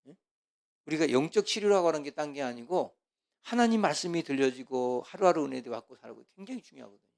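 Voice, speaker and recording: A man preaching as a pastor in an animated lecture, full of rhetorical questions and swinging from loud to hushed. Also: fairly high pitch, fast talker, vocal fry. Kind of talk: sermon lecture.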